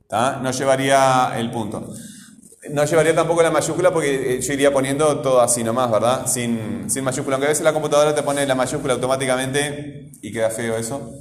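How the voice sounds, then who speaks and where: A man's voice: medium pitch, fairly even intonation, brisk. A male teacher giving a class lesson, quizzing his pupils and often checking in with a questioning "right?". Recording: echoey room with long reverb, faint noise.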